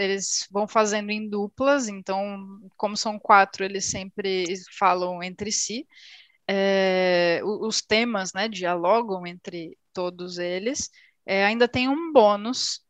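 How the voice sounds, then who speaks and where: A woman's voice: mid-range voice, a bit bright, no echo. Thoughtful woman co-host, dry sound. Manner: thoughtful, recommends books with many restarts. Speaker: podcast co-host. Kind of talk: casual chat.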